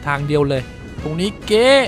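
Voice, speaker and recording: A man giving casual gameplay commentary, excitable, swearing freely and exclaiming as he plays. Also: fairly high pitch, a little fast, music in the background. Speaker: gameplay streamer.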